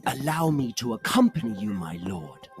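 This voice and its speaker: A performer playing a menacing, servile fantasy retainer in a character demo reel, slow, formal and sinister, under music and effects. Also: mid-range voice, very animated. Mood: cold menace.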